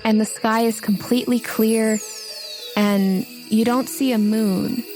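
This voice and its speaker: A woman acting as game master, describing the scene of a tabletop game in short, measured phrases with pauses. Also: a little high, steady tone. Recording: music playing under the voice.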